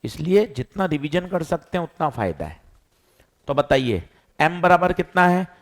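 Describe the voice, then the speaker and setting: Male physics teacher, energetic lecture delivery, asks then answers. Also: a little high, normal speed. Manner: lively, quizzing students and answering himself. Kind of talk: classroom lecture.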